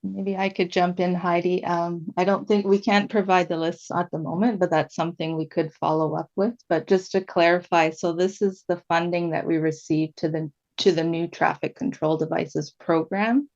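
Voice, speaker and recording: A woman on city staff answering questions at a committee meeting in a formal, measured way, addressing the chair. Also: lowish voice, fairly even intonation, a little mellow, dull audio. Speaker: city traffic staff member.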